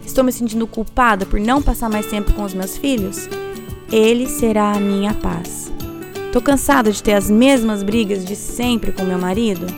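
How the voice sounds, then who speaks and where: A woman reading a short scripted devotional in a steady way, with a repeated refrain. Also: medium pitch, moderate pace, creaky. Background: music bed.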